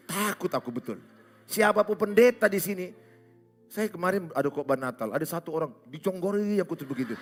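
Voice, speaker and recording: A man from Indonesia, preaching a humorous sermon as a pastor, often acting out little dialogues. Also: high-pitched. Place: church stage.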